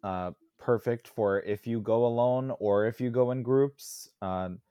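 A man's voice: medium pitch, measured pace, dark tone, clean tone, no room sound, clean studio sound. A man co-hosting a casual podcast, easygoing and restarting his sentences often. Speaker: podcast co-host.

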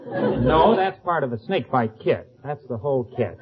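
A man's voice: medium pitch, animated, normal speed, crowd noise. Plain-spoken man, dull radio sound. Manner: plain, matter-of-fact. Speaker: druggist, quiz show contestant. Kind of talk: answering questions on a radio quiz. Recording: dull old radio recording.

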